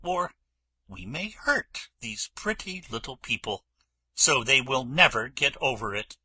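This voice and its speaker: A soft-hearted tin woodman speaks in a deep, slow, earnest voice with a raspy bright edge, as a woman reading a storybook puts him on. He sounds careful and kind. The sound is dry and close. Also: big pitch swings, dry recording, full character voice, rough recording. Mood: gentle, cautious.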